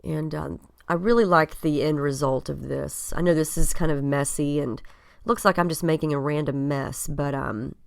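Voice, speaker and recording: Low-voiced woman, scratchy with a cold. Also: moderate pace, creaky. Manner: relaxed and chatty, with frequent ums. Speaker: scrapbook crafter. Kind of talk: casual voice-over narrating a craft process video.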